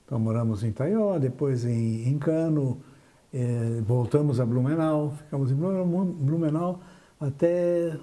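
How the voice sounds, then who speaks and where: Older man with a very dark voice reminiscing. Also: a little high, unhurried. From southern Brazil. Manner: reflective, restarts and trails off while remembering. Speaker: interview guest, businessman. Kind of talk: recalling his life in an interview.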